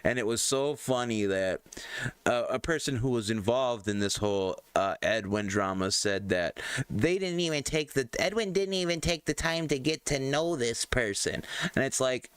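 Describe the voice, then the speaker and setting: A man hosting a casual live-stream show, animated and rambling, often laughing. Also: mid-range voice, moderate pace, clean tone, no echo. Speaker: stream host.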